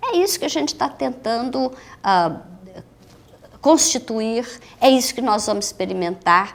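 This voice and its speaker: Over noticeable background noise, a woman talks at a fairly slow pace with long, frequent pauses. Her high voice moves in very wide pitch swings. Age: 60s. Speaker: state education secretary and teacher. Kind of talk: interview. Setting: office building. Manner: formal, with filler hesitations.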